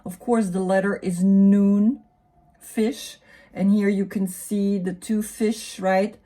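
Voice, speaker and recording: A woman with a German accent, explaining tarot cards in a relaxed, musing way, with lots of fillers and tag questions. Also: mid-range voice, slow pace. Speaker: tarot reader and yoga teacher. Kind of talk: casual explanatory talk about tarot cards.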